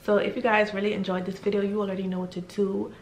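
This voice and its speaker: A young woman from the Bahamas, chatting with strangers in a casual, bubbly, flattering way. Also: mid-range voice, fast talker. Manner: bubbly, flattering, laughs often. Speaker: vlogger. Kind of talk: casual video chat with strangers. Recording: echoey room, faint noise.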